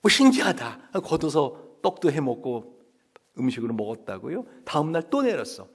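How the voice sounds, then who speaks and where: A man preaching a dawn revival sermon, animated and constantly asking the congregation questions. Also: normal speed, breathy edge. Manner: animated, acts out quails and children in high voices. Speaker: pastor. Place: church sanctuary.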